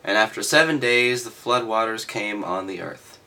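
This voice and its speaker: A man reading aloud and adding halting, offhand, skeptical commentary with sardonic asides. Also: lowish voice, bright, forceful tone, low-quality recording. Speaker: reader and commentator.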